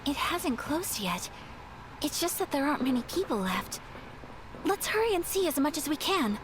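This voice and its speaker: A woman voicing a gentle, polite young noblewoman in a video game, soft-spoken and formal. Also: high-pitched, very animated, moderate pace, background noise. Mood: calm. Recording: game audio with background music.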